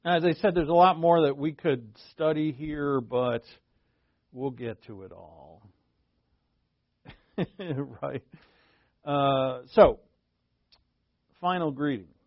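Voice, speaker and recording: Male Bible study teacher, easygoing and digressive, mid-pitched voice, dry and slightly dull recording. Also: slow, pauses often, dry recording. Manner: conversational, digressive, with fillers and asides.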